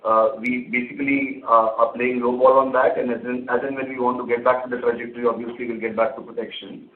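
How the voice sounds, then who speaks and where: A man's voice: medium pitch, flat delivery, fast, slight background noise. A man, a company executive, answering analyst questions on an earnings call and explaining methodically. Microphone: conference call phone line. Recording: echoey, phone-like conference call line.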